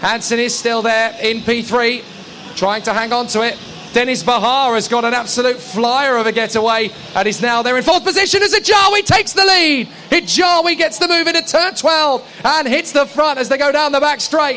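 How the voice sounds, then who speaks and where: Over noticeable background noise, a man uses a raised, projected voice at an extremely high pitch, with lively intonation and very even loudness. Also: moderate pace. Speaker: motorsport commentator. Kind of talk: live commentary. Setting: trackside at a kart circuit. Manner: animated.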